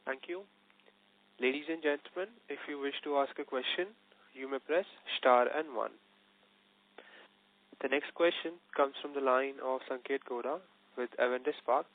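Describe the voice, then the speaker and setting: A man's voice: medium pitch, normal speed, pauses often. A man, a conference call moderator making polite, scripted announcements. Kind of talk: formal announcements. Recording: phone line.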